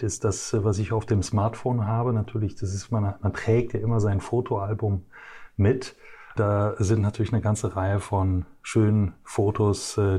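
Male business guest, fifties, low register, dark soft tone, hesitant off-the-cuff answers. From Brussels region, Belgium. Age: 50s. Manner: hesitant, halting, feels for words. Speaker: interview guest, chief executive. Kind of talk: unscripted interview answers.

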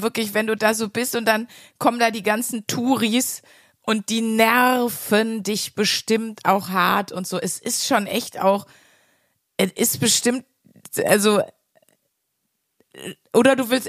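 Young female podcast co-host, joking and riffing, a bit high, dry close mic. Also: no room sound. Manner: joking, riffing on crude ideas. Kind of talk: casual chat.

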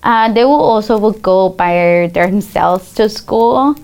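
Teen girl from Mexico, smooth voice. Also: mid-range voice, takes it slowly, darkish tone. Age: teens. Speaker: student debater. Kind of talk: casual interview answers.

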